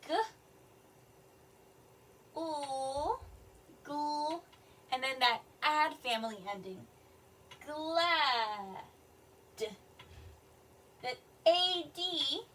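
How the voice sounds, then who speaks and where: A woman kindergarten teacher leads a reading lesson, stretching each word out slowly for small children. Her voice is high and bright, with a sing-song lilt. The mic sits a little far away, and a faint room ambience is heard behind her. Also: slight background noise.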